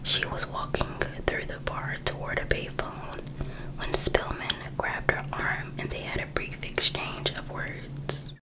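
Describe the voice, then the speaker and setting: An American woman whispering an ASMR book reading in a breathy, hushed voice, now and then dropping in casual asides. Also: low-quality recording. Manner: slow, hushed, with informal personal asides. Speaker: ASMR host reading a true crime book.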